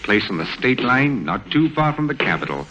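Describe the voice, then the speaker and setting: A man's voice: medium pitch, sing-song, moderate pace, bright, forceful tone, a little hiss or hum. A man playing a scheming racket boss in a 1950s radio drama, clipped, commanding and coolly persuasive. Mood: smooth scheming. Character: scheming middle-aged racket boss, calm and menacing.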